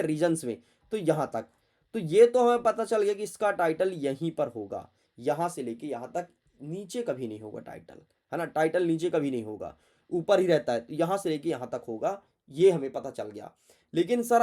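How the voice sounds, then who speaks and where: A man's voice: on the high side, darkish tone. A man teaching an exam prep lesson, chatty and playful, talking straight to his students and muttering to himself while he searches the text.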